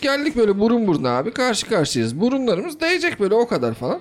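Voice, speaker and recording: The speaker talks at a fairly quick pace with very wide pitch swings, and there is noticeable background noise. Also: man. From Aegean Turkey. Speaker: podcast co-host. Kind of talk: casual chat.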